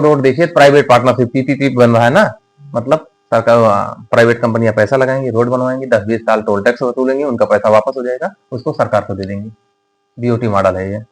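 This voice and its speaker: A male teacher gives a relaxed, conversational classroom lecture at a medium pitch. He keeps asking his students rhetorical questions and slows right down to dictate notes. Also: rough recording.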